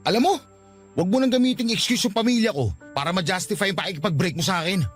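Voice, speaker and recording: Isang lalaking gumaganap sa dramang pag-ibig sa radyo bilang nasaktan at mapait na batang nobyong iniiwan, puno ng panunumbat. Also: male voice, high voice, fast talker, breathy edge, soft background music. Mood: defensive. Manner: wounded, reproachful. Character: hurt, bitter young boyfriend being dumped. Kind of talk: radio romance drama acting.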